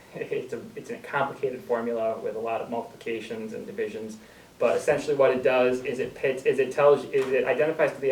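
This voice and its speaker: A man's very fast delivery against noticeable background noise. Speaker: airport planning consultant. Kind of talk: presentation at board meeting. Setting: public board meeting. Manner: frequent filler ums.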